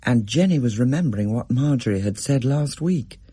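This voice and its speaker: A man reading a story aloud as narrator in a measured, storytelling way. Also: medium pitch, breathy edge, dry recording, studio quality. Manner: gently storytelling, varied and expressive.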